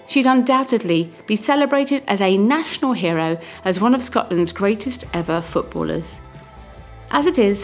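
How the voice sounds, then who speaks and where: A woman hosting a podcast, reading a scripted introduction and interviewing her guest. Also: fairly high pitch.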